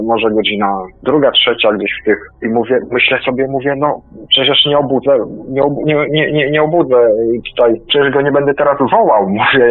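A man calling in to a radio show by phone, telling a personal experience in a halting, stammering way that keeps repeating words. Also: medium pitch, breathy edge, no room sound. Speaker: caller. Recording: tinny phone line.

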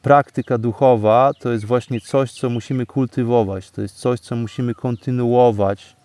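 Mellow-voiced man guiding a slow breathing meditation. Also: medium pitch, fairly even intonation, dry recording. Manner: slow, deliberate, soothing instruction with pauses. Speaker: podcast host and meditation guide. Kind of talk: guided breathing meditation talk. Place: outdoors, sitting in a forest among bamboo. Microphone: microphone exposed to wind. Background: birdsong.

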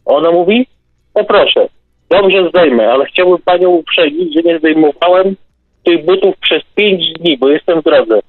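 A man's voice: on the high side, moderate pace, no echo. Man telling stories over a tinny phone line. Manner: anecdotal, with hesitations. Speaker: caller. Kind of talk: casual storytelling.

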